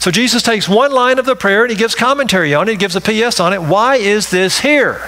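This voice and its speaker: A man's high-pitched, raised, projected voice at a very fast pace, with very even loudness and hardly any pauses. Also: ordinary pitch variation. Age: 50s. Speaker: pastor. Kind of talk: sermon. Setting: church with congregation. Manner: conversational with laughter. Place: church.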